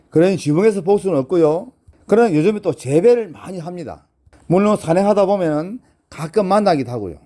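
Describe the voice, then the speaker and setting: Man lecturing lively on medicinal herbs. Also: fairly high pitch. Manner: rhetorical questions, addresses viewers directly. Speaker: herbal medicine channel host. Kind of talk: explanatory lecture to viewers.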